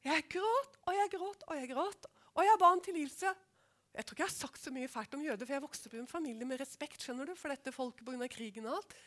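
High-voiced woman preaching a testimony. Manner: animated storytelling, asks listeners "skjønner du?". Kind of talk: testimony sermon.

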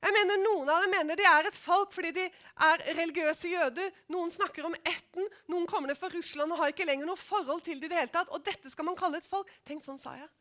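A middle-aged woman preacher giving a personal testimony in an animated storytelling way, often asking her listeners if they follow. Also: very high-pitched, hardly any pauses. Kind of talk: testimony sermon.

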